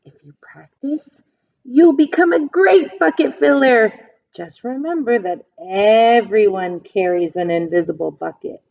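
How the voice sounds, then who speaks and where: A woman reading a picture book aloud to young children in an expressive, teacherly way, with simple phrasing and asides to her listeners. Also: fairly high pitch, a little slow, creaky. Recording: dull, lo-fi sound.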